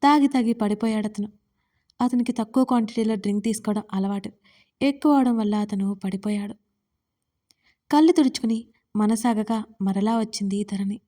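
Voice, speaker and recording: A woman narrating a romance story in a calm, steady reading voice. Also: mid-range voice, moderate pace, long pauses.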